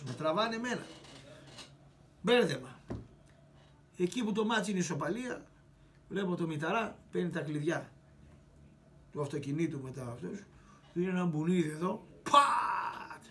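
An older man telling a personal story as a show host, swearing freely and acting out quarrels in sharp bursts. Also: sits high. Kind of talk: angry storytelling monologue.

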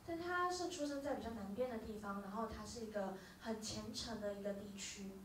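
A woman interpreting live from a stage, speaking quickly with short filler hesitations. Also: medium pitch, background noise. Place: small dark music venue. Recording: roomy venue, from far off.

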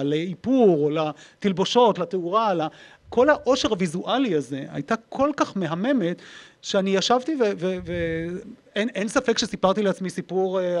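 An Israeli-accented man with a high-pitched voice hosts a live stage conversation. He tells anecdotes expressively and emphatically, pausing between items for effect, speaking into a handheld microphone. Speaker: host, interviewer. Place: public talk in a library room.

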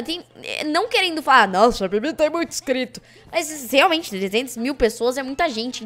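A young woman from São chats excitedly while she plays. Her voice is high and lively, jumping up and down in pitch as she teases the players she meets. Faint music plays behind her. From Brazil. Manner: excitable, chatty, teasing opponents. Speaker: gaming YouTuber. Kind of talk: casual gameplay commentary.

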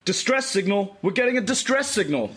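A man's voice: sits high, lively intonation, a little fast, a bit bright, breathy edge, full character voice. A man voicing a bored, stubborn young woman who runs a space station, playful and sweary. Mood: flustered.

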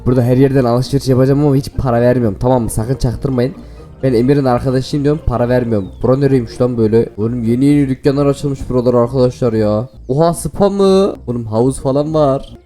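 A man hosting a gaming video, giving excited, playful commentary to viewers and laughing often. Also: medium pitch, quick pace, soft background music.

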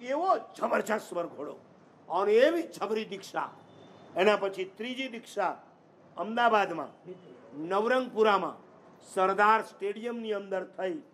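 A man's voice: sits high, fairly bright tone, a little hiss or hum. A man preaching a sermon, telling stories emphatically and quizzing the audience with rhetorical questions. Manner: storytelling, emphatic delivery.

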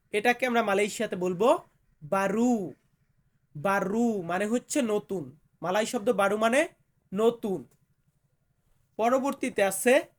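A man teaching vocabulary in a slow lesson, repeating each word and its meaning with care. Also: sits high. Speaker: language teacher.

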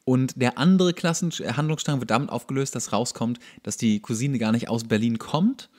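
A man's voice: medium pitch, normal speed, a little mellow. A man co-hosting a podcast, commenting on a TV show in a casual, wry and playful way. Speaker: podcast co-host.

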